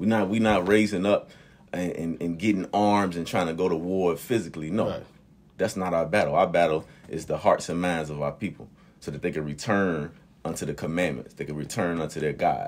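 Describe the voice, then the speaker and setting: A man talks at a fairly quick pace with a very deep, low pitch. His pitch varies in an ordinary way. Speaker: religious organization representative. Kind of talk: radio interview. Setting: studio. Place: studio. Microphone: studio mic.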